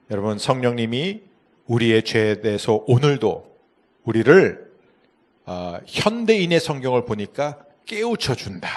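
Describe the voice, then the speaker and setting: Male pastor, sermon, middle pitch, loud emphatic calls, soft hushed asides.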